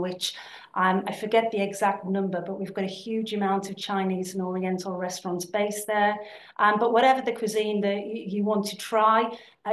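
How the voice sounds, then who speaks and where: A woman's voice: mid-range voice, reverberant. A woman presenting her university in a webinar, speaking steadily with frequent ums and repeated words. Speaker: university representative presenting to prospective students.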